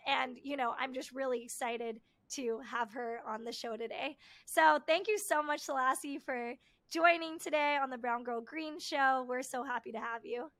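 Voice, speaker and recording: A woman's voice: sits high, fairly even intonation, normal speed, fairly bright tone. A woman hosting a podcast interview, upbeat and eager, with frequent "you know" fillers. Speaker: podcast host.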